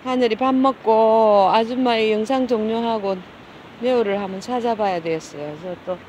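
A middle-aged woman vlogs casually outdoors by a street while coaxing and feeding stray cats, talking to them slowly, softly, and dotingly. Her voice is fairly high in pitch. The recording is rough, with a little hiss or hum.

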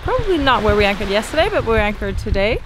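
A woman's voice: medium pitch, big pitch swings, fast. A woman in her thirties giving casual travel narration as a vlog host. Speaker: sailing vlogger and host. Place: outdoors on a tropical shore. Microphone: handheld camera at arm's length. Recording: noisy outdoor recording with water and engine.

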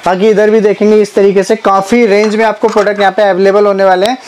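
A man hosting a product tour, eager and quick to agree, presenting goods to viewers. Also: sits high, little pitch movement, darkish tone. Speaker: video host.

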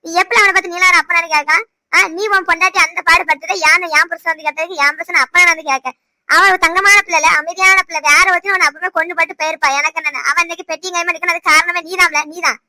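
A woman voicing a sharp-tongued village mother-in-law in a cartoon, scolding rapidly with a Tirunelveli Tamil accent. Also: very high voice, level tone, dry recording, full character voice. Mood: indignant. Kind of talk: cartoon voice acting.

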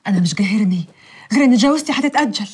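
Young woman, fast, breathy, spiteful gossip. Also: medium pitch, animated, a little mellow. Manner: gossiping, urgent. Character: spiteful young bride-to-be sister. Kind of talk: TV drama acting.

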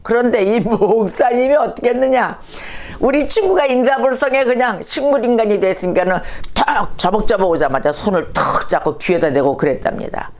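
A woman's voice: on the high side, normal speed, hardly any pauses. Woman pastor telling a story from the pulpit. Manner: lively anecdotal preaching with rhetorical questions. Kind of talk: storytelling sermon.

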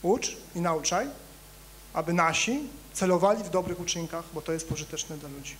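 A male pastor preaching a sermon in a church, animated and conversational, swinging between loud emphatic rises and quiet low asides while joking with the congregation. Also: moderate pace, a little hiss or hum. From Poland. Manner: conversational, addresses congregation directly with humor.

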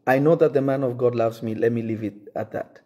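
A man in his thirties, a native French speaker talking in English, addressing his congregation to camera from an indoor room, earnest and measured, often restarting to choose his words. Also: mid-range voice, darkish tone. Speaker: pastor. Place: indoor room with wooden shelves.

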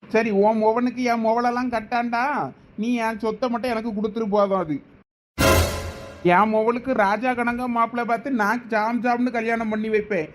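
A man's voice: very high voice, flat delivery, moderate pace, soft background music. A man playing an insistent, aggrieved middle-aged brother demanding his property back, with a Thoothukudi Tamil accent. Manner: insistent, complaining. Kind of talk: village comedy skit acting.

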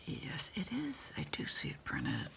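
Slow whispering woman in ASMR roleplay. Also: sits low, wildly swooping pitch, vocal fry, fairly bright tone. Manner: whispered, halting, unhurried. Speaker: ASMR roleplayer as takeout order taker. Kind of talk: ASMR roleplay, one side of a phone call. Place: small dim desk space indoors.

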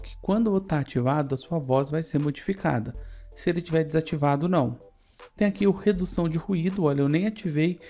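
Mellow Brazilian man presenting tutorial. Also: on the high side. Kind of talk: casual software tutorial. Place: studio indoors. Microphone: USB microphone.

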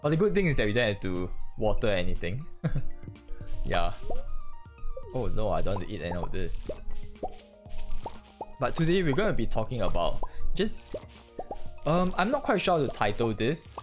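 A man's voice: on the low side, very animated, moderate pace, long pauses. A young man from Singapore with a Singaporean English accent and Mandarin as his first language, talking reflectively over gameplay with a slight stutter and frequent restarts. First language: Mandarin Chinese. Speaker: gaming channel host. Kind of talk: casual gameplay commentary and personal reflection. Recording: faint music behind voice.

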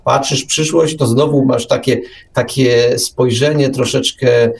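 A man's voice: medium pitch, steady tone, a little slow, creaky, a little hiss or hum. A man co-hosting a casual radio show, rambling and wry, often repeating his words as he teases his partner. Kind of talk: casual live radio chat.

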